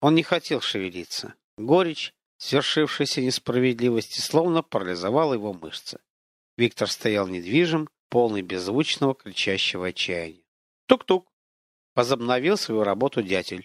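A man narrating an audiobook in an expressive, dramatic storytelling manner. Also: mid-range voice, normal speed, dry recording, studio quality.

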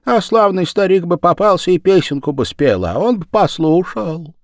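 A man's voice: sits high, lively intonation, moderate pace, dry recording, studio quality, voice pushed up. A man reading aloud, voicing a stern, blunt old village woman who scolds and mocks. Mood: mocking.

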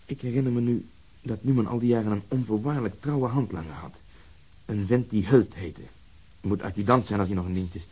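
An actor playing a blunt, bitter police officer in a radio drama, with a husky, emphatic delivery. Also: male voice, fairly low pitch, a little fast, warm tone. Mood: blunt, thoughtful.

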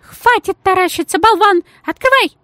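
A woman's voice: very high voice, animated, measured pace, darkish tone, no echo, voice pushed up. A woman voicing a stout, genteel lady with a thin, piping voice and an affected, sugary manner in a storybook reading. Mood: furious hissing. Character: stout genteel lady, shrill, saccharine then venomous.

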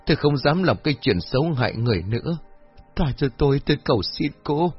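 A man doing a shrill, terrified woman begging. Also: expressive, quick pace, breathy edge. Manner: frantic, pleading, shrill cries. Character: terrified middle-aged woman begging for mercy. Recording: dull lo-fi audio, faint music.

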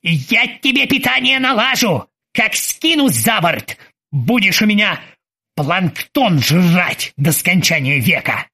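A man voicing an irritable middle-aged yacht captain who barks and shouts in exasperation. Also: sits high, sing-song, takes it slowly, creaky, breathy edge, heavily acted. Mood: gruff irritated.

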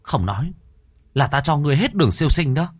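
A man voicing a stern woman exorcist who commands spirits and coaxes them gently, in a storybook ghost tale. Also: on the low side, sing-song, moderate pace, no room sound. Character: stern female exorcist, firm then coaxing.

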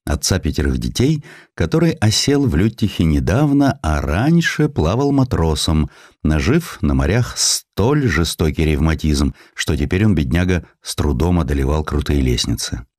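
A man narrating a literary audiobook in an expressive, dramatic and measured storytelling style. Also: extremely low pitch, no room sound, clean studio sound.

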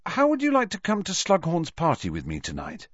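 A man's voice: fairly high pitch, wildly swooping pitch, brisk, fairly bright tone, no room sound, pitched above the performer's own voice, full character voice. A man voicing a teenage boy who talks plainly and a little hesitantly. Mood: awkward. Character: awkward teenage boy, Harry. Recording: dull dry recording.

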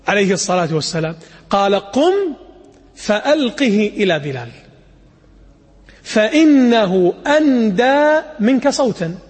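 A man preaching to an audience, telling stories lively and acting out the quotes, with a husky voice. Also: high-pitched. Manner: lively, acts out quotes, demonstrates call to prayer recitation. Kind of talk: sermon storytelling to an audience. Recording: reverberant hall.

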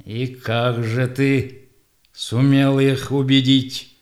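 An actor playing a proud, embittered tribal leader in a verse audio drama, with weighty, declamatory delivery. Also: male voice, medium pitch, flat delivery, extremely slow. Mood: wary, proud. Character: proud, defiant Yakut tribal leader, embittered father of five. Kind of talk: theatrical verse drama acting.

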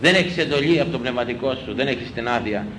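A man, a priest, delivering a sermon in an emphatic, pleading way, repeating phrases and swinging between loud exclamations and hushed lines. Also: mid-range voice. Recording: echoey room with faint ambient noise.

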